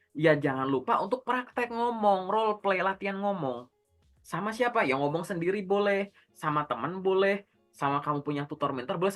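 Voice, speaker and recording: Guy career coach, bright voice, casual chat, asks stuff then answers it himself. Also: high voice. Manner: asks rhetorical questions and answers them himself; direct, instructive, uses everyday slang. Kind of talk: casual one-on-one coaching talk.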